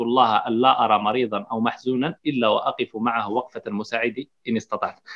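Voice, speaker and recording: This man's pitch is medium and his intonation fairly even. He has an unremarkable speaking voice and talks at a moderate speed. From Algeria, Tiaret province (Tekhmaret). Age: young. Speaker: medical doctor and researcher. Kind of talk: casual interview in Algerian Arabic.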